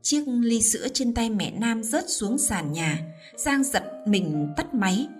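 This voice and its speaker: A woman narrating a dramatic story in an expressive storytelling manner. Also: fairly high pitch, slow. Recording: faint background music.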